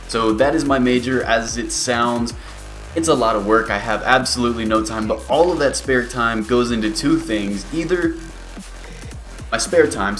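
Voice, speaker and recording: A young man in his early twenties talks through a casual question-and-answer vlog at a middling pitch. He rambles easily and leans on fillers, and faint music plays under his voice. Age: 20s. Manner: relaxed, rambling, many fillers. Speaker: YouTuber.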